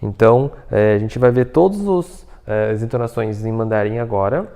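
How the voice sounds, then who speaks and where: Here a Mandarin teacher with a fairly low, gravelly, dark voice goes over pronunciation at a moderate pace in a casual video lesson. He is patient and leans on many "tá?" and "né?" check-ins.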